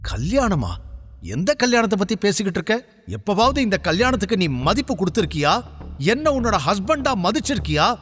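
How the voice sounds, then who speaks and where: A man's voice: high-pitched, big pitch swings, a little fast, a bit bright, faint music behind. A man voicing an irritated young husband who answers firmly and sarcastically. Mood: exasperated, sarcastic. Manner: firm, exasperated, sarcastic.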